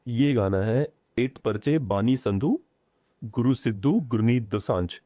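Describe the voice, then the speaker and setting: Animated, opinionated man with a mellow voice. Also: medium pitch, a little slow, dry recording. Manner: animated, opinionated, mixes English into speech. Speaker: podcast guest. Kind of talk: casual conversation.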